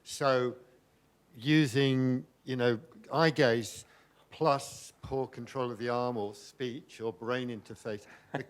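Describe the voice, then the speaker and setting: A man in the audience puts a question to the speaker, his pitch in the middle range. He asks quickly and probingly. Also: steady tone, clean tone. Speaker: audience member.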